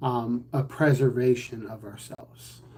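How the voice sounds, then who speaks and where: A man with a dark, mellow tone and medium pitch talks in a somewhat breathy, calm tone. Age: 30s. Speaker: YouTuber talking about saving and investing. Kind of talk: casual livestream monologue. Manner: many filler words.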